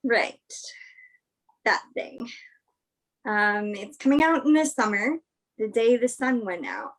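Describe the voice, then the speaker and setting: A fairly high female voice that takes its time over each phrase. A woman acting as a frank, principled movie star in a staged play reading. She answers interview questions in a measured, reflective, conversational way. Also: expressive, poor audio. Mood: casual, reluctant. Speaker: actress in a virtual staged reading.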